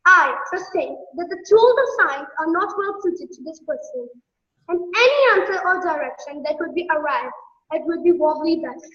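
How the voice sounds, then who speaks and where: A woman's voice: extremely high pitch, lively intonation, moderate pace, a bit bright. A young schoolgirl from Pakistan with a Pakistani accent, Urdu her first language, reading a debate speech and answering questions briefly. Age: young, fifth grade. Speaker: student debater. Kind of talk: read debate speech, then short answers. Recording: echoey dull lo-fi call audio.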